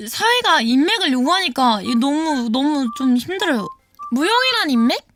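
A young woman streamer in casual late-night chat, playful and quick to slip into comic voices. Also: sits high, big pitch swings, music in the background. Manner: playful, slips into comic voices when quoting.

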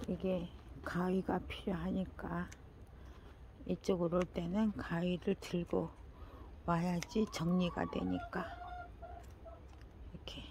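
Slow, gravelly older woman murmuring. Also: lowish voice, darkish tone, a little hiss or hum. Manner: slow, murmuring, often drops to a half whisper. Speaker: gardening vlogger. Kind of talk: casual gardening vlog, talking to herself.

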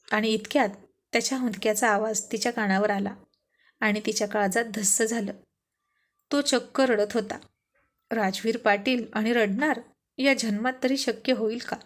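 A woman narrating a scripted family story with emotive storytelling. Her voice is slightly high.

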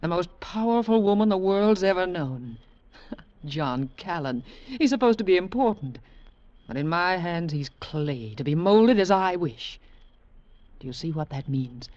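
A woman's voice: lowish voice, animated, measured pace, darkish tone. An actress playing a seductive, coldly power-mad woman with an imperious, theatrical manner in a 1940s radio drama. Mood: seductive, gloating. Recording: muffled 1940s radio recording.

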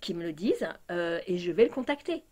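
A woman's voice: fairly low pitch, very animated, fairly quick, a little mellow. A woman vlogger ranting in a casual monologue, indignant and exasperated, with many fillers and restarts.

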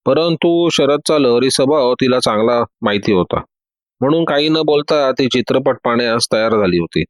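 A man narrating a detective audiobook in a steady storytelling manner. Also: medium pitch, normal speed, no echo.

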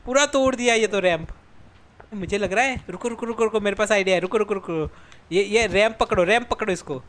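A man streaming a multiplayer game, laughing a lot, yelling for help and coaching his friends. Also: high voice, fast. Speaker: gaming streamer. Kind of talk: excited multiplayer gameplay commentary.

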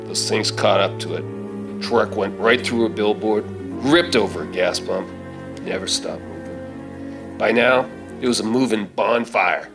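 A middle-aged man on stage playing a gruff, take-charge survivor of a zombie attack in a radio play, with folksy phrasing. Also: on the low side, unhurried. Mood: steady, grim. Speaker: stage actor reading a script. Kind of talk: live radio-play acting. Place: theater stage. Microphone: stand microphone. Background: loud music.

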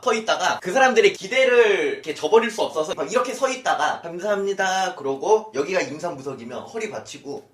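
A transgender woman telling a funny personal story in a casual vlog, animated, laughing often and acting out other people's lines. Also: mid-range voice. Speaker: vlogger.

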